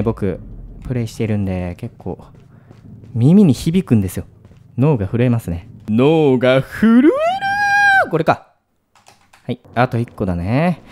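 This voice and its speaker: A man with a mellow, mid-range voice hosts a gaming video, commentating on a horror game. He swings between quiet muttering and jumpy outbursts.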